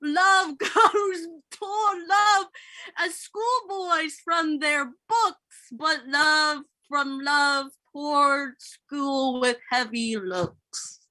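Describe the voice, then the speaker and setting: An ardent, dreamy young male lover, played by a man, with a very high, bright voice and a slow pace. He delivers Shakespearean verse theatrically and with exaggeration, like an amateur stage reading. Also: dry recording, heavily acted, poor audio. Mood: anguished.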